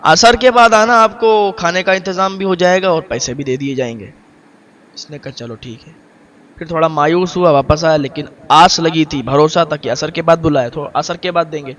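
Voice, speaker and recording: Brief: male storyteller, earnest and preachy, fairly high voice. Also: fairly bright tone. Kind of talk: moral story narration.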